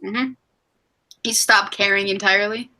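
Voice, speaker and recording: Bright-voiced giggly young woman streamer. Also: mid-range voice, fairly even intonation, unhurried. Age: 20s. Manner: giggly, rambling, self-mocking. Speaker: stream host. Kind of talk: casual live stream chat.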